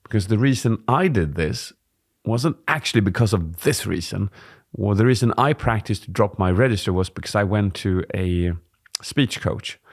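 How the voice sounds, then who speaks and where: A man in his forties, a presentation coach, explaining at a relaxed pace as he co-hosts a podcast on a studio mic. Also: fairly low pitch, moderate pace, few pauses. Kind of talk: casual podcast chat. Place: dim studio with warm lamps. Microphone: studio mic on boom arm.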